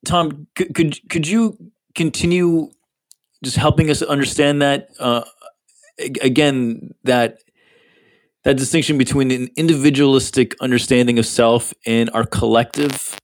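A man hosting a conversation, asking gentle follow-up questions with some stammering. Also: mid-range voice, steady tone, unhurried. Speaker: host.

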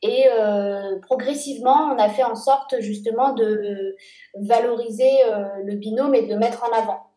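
A woman, a guest UX researcher, talking casually in an interview, measured and with frequent fillers. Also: fairly high pitch, warm tone. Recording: echoey room.

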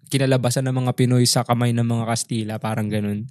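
A young man co-hosting a podcast, telling lively stories from his childhood, acting out quoted lines and swearing casually. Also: mid-range voice, fast, no room sound, clean studio sound. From Philippines. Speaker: podcast co-host. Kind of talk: casual chat.

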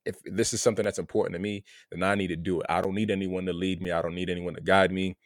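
A Haitian American man talking through his thoughts in a relaxed conversation, often repeating words as he searches for them. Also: low voice, very fast, no echo, studio quality. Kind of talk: casual conversation.

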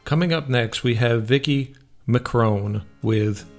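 A man hosting a radio show, reviewing films casually in a halting, conversational way, as if thinking aloud. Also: medium pitch, over music. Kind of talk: casual solo film review.

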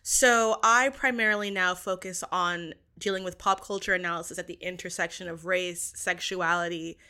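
Bright-voiced woman giving conversational analysis. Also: on the low side, fairly even intonation, moderate pace, smooth. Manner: casual yet articulate, analytical. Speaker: interview guest, pop culture analyst. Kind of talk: conversational commentary.

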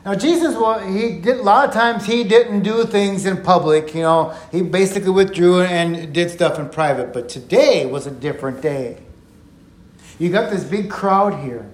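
A man teaching through a Bible passage on a podcast, telling it in an earnest, reflective way and slowing down for emphasis. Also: high voice. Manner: earnest, reflective storytelling with slow emphatic quotes. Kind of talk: podcast Bible study talk. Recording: echoey room.

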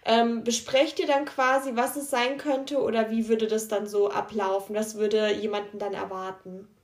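A woman hosts a podcast interview and asks her guest questions. She is attentive and friendly, with frequent small sounds of agreement. Her voice sits fairly high and carries some room echo. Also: little pitch movement, moderate pace. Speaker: podcast host. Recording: roomy, echoey sound.

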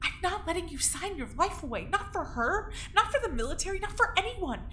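Defiant young woman, very high bright voice. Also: very animated, a little fast, exaggerated voice. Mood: angry, desperate. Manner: blunt, foul-mouthed, impassioned. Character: defiant, fiercely loyal young female prisoner. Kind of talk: audio drama acting.

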